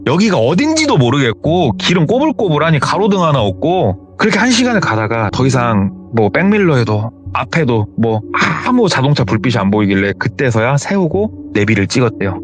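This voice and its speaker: Guy narrating a spooky true story, super animated, some soft music behind. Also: mid-range voice, fairly quick, few pauses. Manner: animated, dramatic. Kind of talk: retelling a horror story.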